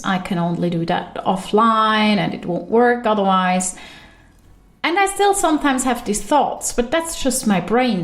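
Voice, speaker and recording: A woman with a Swiss German accent, hosting her own podcast as an intuition coach, talking animatedly on her own. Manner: animated, with quick shifts up in pitch for emphasis. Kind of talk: solo podcast monologue.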